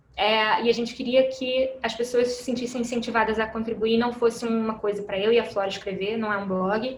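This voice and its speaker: Delivered at a fairly quick pace with hardly any pauses, the speech is monotone and flat, with audible room echo and noticeable background noise. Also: woman, fairly high pitch for a woman. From Petrópolis, interior of Rio de Janeiro state, Brazil. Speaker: illustrator and designer, studio co-founder. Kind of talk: guest talk presenting work. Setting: video call. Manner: fast.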